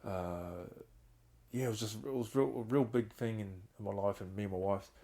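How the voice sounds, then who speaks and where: On a podcast, a middle-aged man who founded a reintegration trust tells his own story with candor, earnest and open about hard times. His voice is on the low side and mellow, at a moderate pace.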